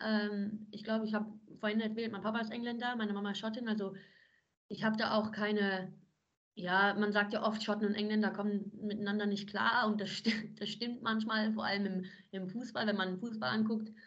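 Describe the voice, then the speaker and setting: The room echo is audible as a woman speaks in a fairly high, somewhat breathy voice. Her intonation is flat and monotone. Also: fairly quick pace. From Germany. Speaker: professional footballer. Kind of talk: interview.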